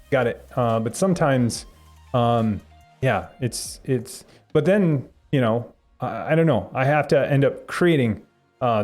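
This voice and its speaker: A young man hosts a live tech stream, answering viewer chat in a rambling, halting manner with plenty of fillers and restarts. His voice sits at a medium pitch and sounds a little mellow.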